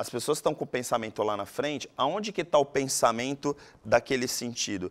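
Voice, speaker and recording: In a very clean recording against total silence, pitch varies in an ordinary way. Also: man. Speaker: professor and speaker. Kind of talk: TV interview. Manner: fast.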